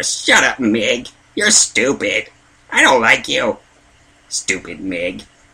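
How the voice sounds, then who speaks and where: Using a put-on character voice at a medium pitch, a man speaks very slowly with long, frequent pauses. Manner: insulting, childish.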